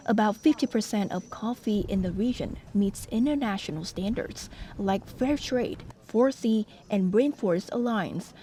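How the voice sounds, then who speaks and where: A woman reporter narrating a news feature in a steady, informative way. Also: medium pitch, normal speed, few pauses. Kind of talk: scripted voice-over narration.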